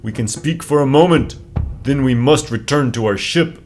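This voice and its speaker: A man's voice: mid-range voice, normal speed, darkish tone, soft background music, pitched above the performer's own voice, natural voice. A man doing a solemn shaman warrior. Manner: solemn, formal. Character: grave male shaman warrior, dry humor.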